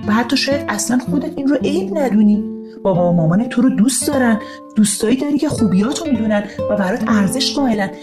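A woman voicing a calm, kind schoolboy who reasons patiently, in an audio storybook over guitar music. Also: fairly high pitch, pitched above the performer's own voice, close to an everyday voice. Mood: gentle.

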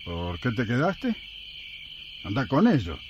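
An actor playing a jealous, sarcastic husband in a radio drama, with an Argentine accent and a complaining manner. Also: male voice, medium pitch, wildly swooping pitch, measured pace, dull audio, background noise. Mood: sulky, subdued. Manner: sardonic, complaining. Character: jealous, sarcastic, aggrieved working-class husband. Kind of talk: Spanish-language radio drama acting.

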